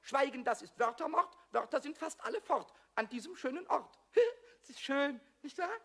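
Squeaky high-pitched cheeky little kobold. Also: male voice, animated, normal speed, vocal fry, pushed and bright, exaggerated voice. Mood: defiant, cheeky. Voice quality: squeaky, screechy. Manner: boastful, rhyming, melodramatic. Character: small cheeky childish kobold, defiant and whiny. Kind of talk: German children's radio play.

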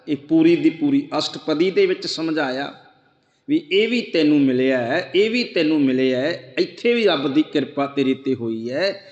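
A man preaching a Sikh scripture sermon, chanting verses slowly and then explaining them earnestly. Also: fairly high pitch, roomy sound, big-room sound, highs cut off. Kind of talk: slow devotional sermon.

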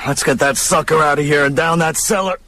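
An actor playing a grumbling, uneasy furniture mover in a radio drama. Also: male voice, on the high side, fairly even intonation, a little fast, music in the background, close to an everyday voice. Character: grumbling, uneasy working-class American mover.

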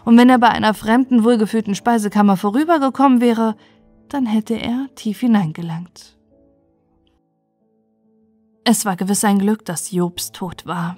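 Woman reading a calm bedtime story. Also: medium pitch, no room sound. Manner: calm, gentle narration.

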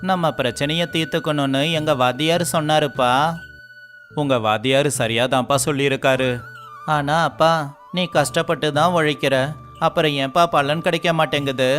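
A man voicing every male figure in a cartoon village story, in an even, scripted delivery. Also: mid-range voice. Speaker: voice actor for all male figures. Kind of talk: scripted dialogue of an animated moral story. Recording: faint music underneath.

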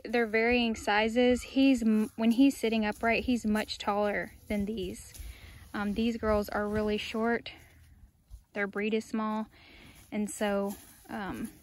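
A young woman vlogging as she does farm chores outdoors, chatting casually with the camera and softly cooing at the animals. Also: on the high side. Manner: chatty, talks to the animals in a soft baby voice. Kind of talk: casual chat. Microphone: phone camera, often held at arm's length. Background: farm animals and outdoor ambience.

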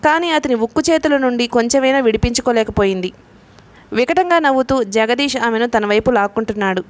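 A woman's voice: fairly high pitch, expressive, brisk. A woman narrating a novel as an audiobook reader, reading the characters' lines in her own voice.

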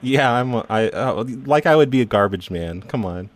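A man making a prank phone call, talking in a deadpan, hesitant way. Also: fairly low pitch, moderate pace, no echo. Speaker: prank caller.

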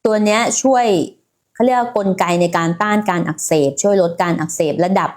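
A woman hosts a casual health livestream, chatting with lots of fillers and speaking straight to her viewers. Her mid-range voice has a darkish tone, and she talks a little fast.

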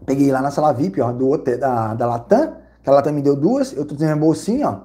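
A Brazilian man vlogging casually, telling an animated, repetitive story with lots of exclamations. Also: medium pitch, brisk. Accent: Brazilian Portuguese. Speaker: vlogger reviewing credit card perks and hotels.

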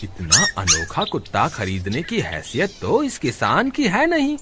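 A performer voicing a greedy, conniving male village thief with a boastful manner, over loud background noise. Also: mid-range voice, huge pitch swings, unhurried.

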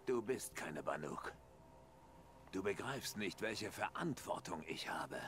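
An actor playing a proud, stern tribal hunter, speaking gravely with a gravelly voice. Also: male voice, low voice, sing-song, slow pace, a bit bright, a little hiss or hum, exaggerated voice.

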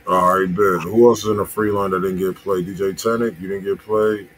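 A man's voice: low-pitched, little pitch movement, brisk, a little hiss or hum. A man co-hosting a music stream, chatting casually with profane slang and repeated affirmations. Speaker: music review stream co-host. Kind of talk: casual chat.

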